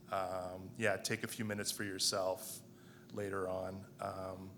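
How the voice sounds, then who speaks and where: A man with a lowish, bright voice gives an informal acceptance speech. He goes slowly and haltingly, sounding humble, with faint noise behind him at a live event. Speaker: award recipient, sports writer.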